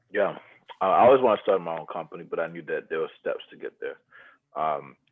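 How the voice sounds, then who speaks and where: Talking at a very fast pace, a man speaks with big swings in loudness. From US South, Atlanta. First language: Spanish. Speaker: tech startup founder and CEO. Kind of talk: podcast interview.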